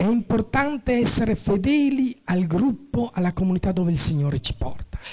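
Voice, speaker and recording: A fairly quick pace with hardly any pauses. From Italy, rural village. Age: 50s. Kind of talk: religious talk via interpreter.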